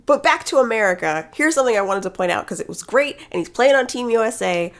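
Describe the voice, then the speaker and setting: A woman's voice: a little high, animated, fast talker. A woman co-hosting a casual hockey chat, wry and chatty, often laughing.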